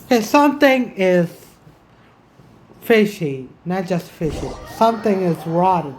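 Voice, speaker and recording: A woman's voice: fairly low pitch, sing-song, a little slow, darkish tone, a little hiss or hum. A woman gamer giving casual, blunt reaction commentary while playing a video game. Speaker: gaming streamer reacting to play. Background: faint game music.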